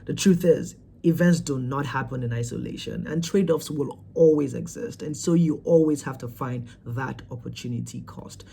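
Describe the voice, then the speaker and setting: A young man in his twenties narrates a short, measured recap. His gravelly voice has a mellow, dark tone. Faint noise sits behind him. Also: medium pitch. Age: 20s. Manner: summarizing, measured. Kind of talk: voice-over summary.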